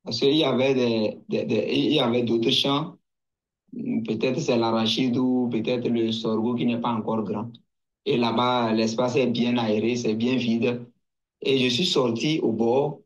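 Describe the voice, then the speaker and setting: A man from Togo telling his testimony at an unhurried, deliberate pace. His voice sits at a middle pitch. He speaks haltingly, often restarting and repeating words. The sound is dull and lo-fi. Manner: hesitant, halting, with many restarts and repetitions. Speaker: guest giving a testimony. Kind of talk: slow personal testimony.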